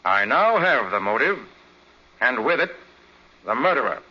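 An actor playing a shrewd, commanding private detective, brisk and authoritative, in 1940s radio drama style. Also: male voice, medium pitch, very animated, bright, forceful tone, breathy edge, full character voice. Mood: commanding, expository. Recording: dull 1940s radio recording.

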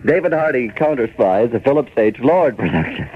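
A man's voice: mid-range voice, big pitch swings, brisk, slightly rough. A man giving a polished, emphatic 1940s old radio announcer delivery. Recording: tinny, band-limited 1940s radio recording.

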